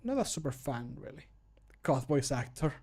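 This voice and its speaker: A man's voice: medium pitch, sing-song, moderate pace, darkish tone. A man in his thirties chatting casually and jokily on a livestream while recording voice lines at home. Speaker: streamer recording mod voice lines. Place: small home room.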